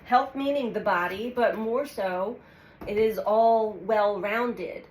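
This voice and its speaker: A woman giving a weekly tarot reading in a calm, unhurried way, congested from a cold and pausing as she draws cards. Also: medium pitch. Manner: calm, unhurried, speaks with pauses while drawing cards. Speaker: tarot reader. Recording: echoey room with audible background noise.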